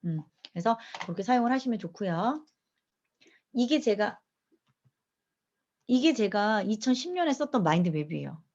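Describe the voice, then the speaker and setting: This mind mapping teacher talks at normal speed in a medium pitch, pausing often. Her online lecture is animated and full of questions for the audience, though the audio is dull and lo-fi.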